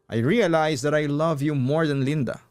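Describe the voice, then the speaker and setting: A man voicing an apologetic cheating husband who begs in a pleading, drawn-out way, in a story drama. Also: fairly high pitch, darkish tone, clear, resonant tone, close to an everyday voice. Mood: earnest. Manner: pleading, drawn-out English phrases mixed with Tagalog. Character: desperate, apologetic cheating husband begging forgiveness.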